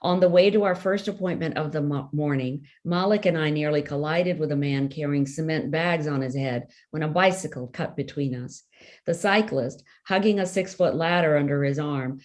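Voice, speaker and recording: A woman author reading aloud from a novel in an expressive narrative style. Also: sits low.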